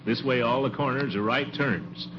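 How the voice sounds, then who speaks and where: A man's voice: mid-range voice, normal speed, heavy background noise, lightly acted. An actor playing a pompous middle-aged bachelor courting his sweetheart in a 1950s radio sitcom, dull old broadcast sound. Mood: coaxing. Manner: coaxing, blustery. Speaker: title character.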